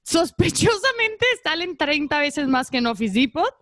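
A woman's voice: sits high, a little slow, no room sound, clean studio sound. A woman with a Mexican accent, a former model, telling stories in casual chat and acting out quoted voices. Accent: Mexican Spanish. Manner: animated storytelling, acts out quoted voices. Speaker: podcast guest, former model.

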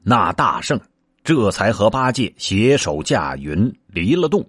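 Slow, husky male storyteller. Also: lowish voice, sing-song, a bit bright, no echo, studio quality. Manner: measured, with frequent hesitant fillers. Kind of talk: classical novel storytelling.

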